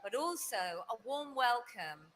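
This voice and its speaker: A woman with a fairly high voice hosts a live award ceremony, reading a scripted announcement. She sounds bright and welcoming, and clear background noise runs under the broadcast. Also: lively intonation, a little slow. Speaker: ceremony presenter.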